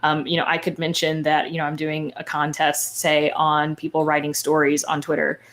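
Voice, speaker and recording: Woman podcaster w a lowish voice, explaining stuff on a panel, chatty and emphatic. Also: completely flat delivery, moderate pace, fairly bright tone. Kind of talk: panel advice, conversational.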